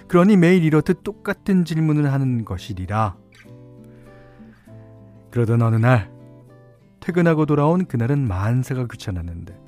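A man hosting a radio show, reading listener stories and chatting in a relaxed way, chuckling often. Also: mid-range voice. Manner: relaxed, chuckling, many fillers. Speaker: radio DJ host. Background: soft guitar music.

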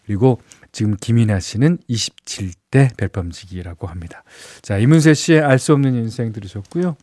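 A man's voice: medium pitch, expressive, fairly quick, warm tone, no echo. A middle-aged man hosting a radio show, chatting casually and chuckling as he reads listener messages. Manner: chatty, chuckles often, many fillers. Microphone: studio microphone. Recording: dry studio sound.

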